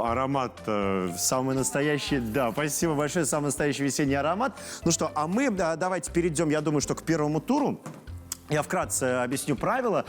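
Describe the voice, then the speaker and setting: A male host of a children's quiz show speaks in a medium-pitched voice. He is chatty and encouraging, keeping a conversational tone. Music plays softly behind him. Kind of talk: conversational hosting.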